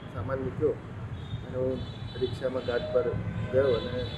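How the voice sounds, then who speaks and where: Noticeable background noise runs behind a man whose intonation is lively. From Gujarat, Ahmedabad. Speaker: photographer and former ascetic. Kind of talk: interview storytelling. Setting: coffee shop.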